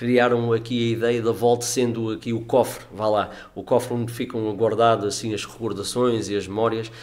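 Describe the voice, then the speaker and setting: The speech runs at a moderate pace in a flat monotone, with hardly any pauses. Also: man, medium pitch for a man. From United States, raised by Portuguese parents. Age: 50s. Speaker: doctor and musician; podcast guest. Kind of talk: casual chat. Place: studio. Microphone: studio mic.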